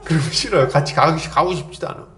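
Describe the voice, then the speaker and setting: A man's voice: fairly high pitch, fast, background noise. A middle-aged man preaching an expository sermon as pastor, conversational and playful, with acted-out quotes and asides.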